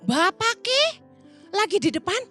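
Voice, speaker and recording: Lively high-voiced woman pastor. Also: measured pace, faint music behind. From Indonesia. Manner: chatty storytelling sermon, acting out voices and sprinkling in English. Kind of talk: sermon. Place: church auditorium.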